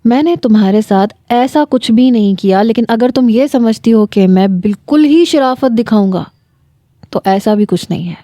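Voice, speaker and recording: A woman's voice: a little high, animated, mellow, dry recording, studio quality, close to an everyday voice. A woman voicing a demanding, suspicious young husband who scolds his wife in a narrated story. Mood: angry, demanding.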